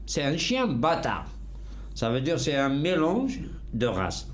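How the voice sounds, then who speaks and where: Older man, slow and emphatic. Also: slight background noise. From North Africa. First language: Kabyle Berber. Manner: slow, emphatic and outspoken, with lively pitch swings. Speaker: interviewee. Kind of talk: unscripted conversation. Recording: echoey room.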